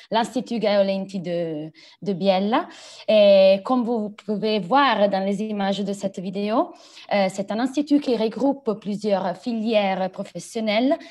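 A woman's voice: medium pitch, a little mellow. A young woman in French, a language teacher presenting informally on a video call. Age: young adult. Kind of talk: informal presentation at an online meeting.

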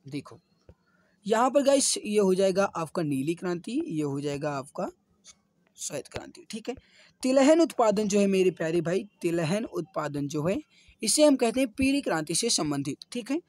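Slightly hoarse male teacher, dry close sound. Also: sits high, very animated, normal speed, darkish tone, no room sound. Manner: repetitive, addresses viewers as dear brothers and friends. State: slightly hoarse, sore throat. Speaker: exam coaching teacher. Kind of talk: online quiz lesson with answers explained.

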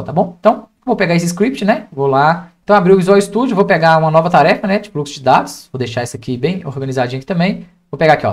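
A young man with a Brazilian accent giving an informal step-by-step software tutorial, often adding little checking tags as he explains. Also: high-pitched. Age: young adult. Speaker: data engineering instructor. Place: indoors at a computer, screen recording with webcam.

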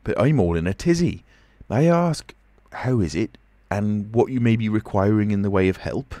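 A man voicing a rough, excitable old tramp in an audiobook, talking in a flustered, rustic way. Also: medium pitch, brisk, dry recording, voice pushed up, natural voice. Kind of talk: audiobook character voice.

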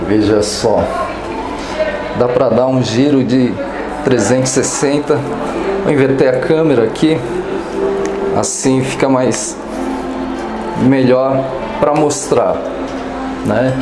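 A middle-aged man with a Brazilian Portuguese accent, giving a halting, explanatory walk-through commentary to camera in a casual style. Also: medium pitch, over loud music, rough recording. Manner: halting, explanatory, often seeking agreement with tag words. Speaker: accessibility vlogger. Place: on location at a stadium, outdoors then indoor concrete halls and restroom.

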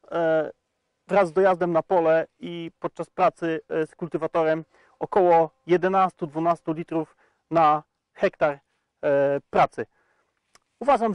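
A man's voice: on the high side, no echo, lo-fi sound. A man in his thirties presenting a tractor test outdoors in a field, talking with frequent hesitation sounds between facts. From Poland. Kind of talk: product review walkaround.

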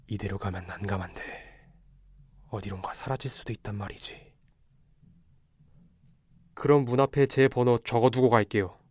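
A man's voice: fairly low pitch, fairly even intonation, moderate pace, long pauses, a little mellow, breathy edge, no room sound. A young man acting a polite but calculating amateur detective in a radio drama. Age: young adult.

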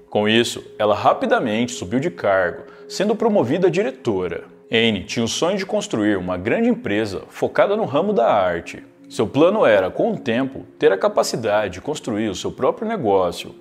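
A man, narrating a true crime case in a scripted, storytelling way as a video host. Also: medium pitch. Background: faint background music.

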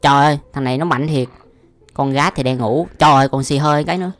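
This young male video host has a Southern Vietnamese accent and a mid-range, fairly bright voice that moves at a quick pace. His reaction commentary is slangy and casual, packed with exclamations and laughs, and the recording is dry.

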